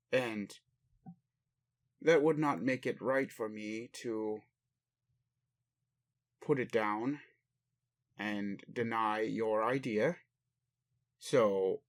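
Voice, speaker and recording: A man playing an ancient alien father in a roleplay audio, speaking formally with pauses to his adopted human, fond and bemused. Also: on the low side. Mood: earnest. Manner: slow, formal phrasing with pauses, addresses listener as human. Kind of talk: roleplay audio addressed to the listener.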